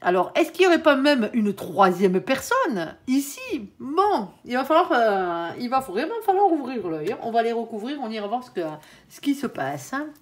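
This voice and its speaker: A woman in middle age gives a casual tarot reading, talking straight to her viewers and to her guiding angel. Her voice sits a little high and swings widely in pitch. She fills her sentences with little "hein" tags as she goes. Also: sing-song, normal speed. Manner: chatty, peppered with "hein". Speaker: tarot reader.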